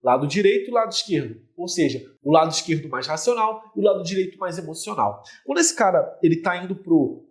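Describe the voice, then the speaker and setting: A man with a Brazilian Portuguese accent, a relationship mentor talking straight to the viewer and explaining with everyday images. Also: sits high. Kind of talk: direct-to-camera coaching talk.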